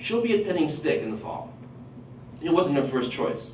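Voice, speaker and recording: With audible room echo and noticeable background noise, a man talks. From Portugal, raised in US from age seven. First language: Portuguese. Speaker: high school teacher. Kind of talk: public testimony. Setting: public hearing.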